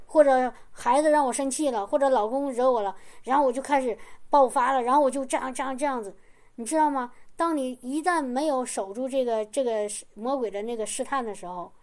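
A woman's voice: high-pitched, a little mellow. A woman preaching a sermon in an earnest, repetitive way, often asking the congregation if they understand.

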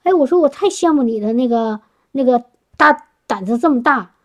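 A woman's voice: high-pitched, expressive, normal speed. A woman speaking to a congregation, sharing a personal testimony in an earnest, chatty way with frequent restarts. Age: adult working professional.

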